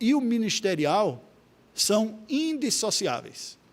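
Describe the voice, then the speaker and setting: Very clean recording of a man, the background silent. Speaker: Sunday school teacher, Presbyterian pastor. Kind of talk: lecture.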